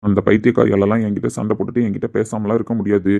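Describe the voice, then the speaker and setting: A man playing Sanjay, a brash, gruff young man who hides his love, in a web drama. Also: on the low side, level tone, racing, mellow. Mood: dismissive. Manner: gruff, blunt, hot-tempered. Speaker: actor in a web series. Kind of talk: dramatic dialogue. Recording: dull lo-fi recording.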